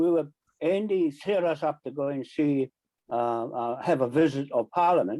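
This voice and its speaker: A man with a New Zealand accent speaks in a fairly high voice with a dark, mellow tone and ordinary pitch variation. The sound is dry and close with no echo, and the recording is very clean with a silent background. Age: 70s. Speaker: sovereignty activist, retired mechanic. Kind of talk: radio interview. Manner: halting.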